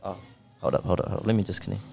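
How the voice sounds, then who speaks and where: A man co-hosting a podcast, chatting casually in a halting, slangy way. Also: deep voice, creaky, a little mellow, faint music behind. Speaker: podcast co-host reading messages. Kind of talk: casual chat.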